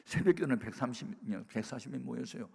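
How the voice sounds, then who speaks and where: A male pastor giving a sermon testimony, telling his story with animated bursts of loud emphasis. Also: mid-range voice, fast talker, vocal fry, breathy edge. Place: prayer retreat sanctuary. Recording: reverberant worship hall.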